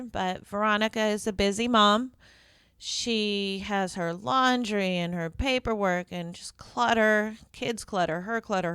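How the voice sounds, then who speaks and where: A woman, a professional organizer, hosting her own podcast and telling stories in a conversational, deliberate way with occasional fillers. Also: medium pitch, a bit bright, clean tone, no room sound. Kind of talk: solo podcast storytelling.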